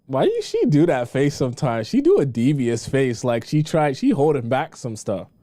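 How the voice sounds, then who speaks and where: A man's voice: mid-range voice, sing-song, normal speed, dark tone, dry recording. An American man giving casual reaction commentary as a streamer, questioning and repeating himself in disbelief.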